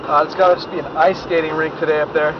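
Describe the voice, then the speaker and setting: A man's voice: fairly high pitch, racing. A man talking casually while driving, rambling with lots of restarts, recorded on a dashboard camera inside the car. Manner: rambling, relaxed, restarts often. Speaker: vlogger driving and filming. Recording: dull lo-fi dashcam audio with road noise.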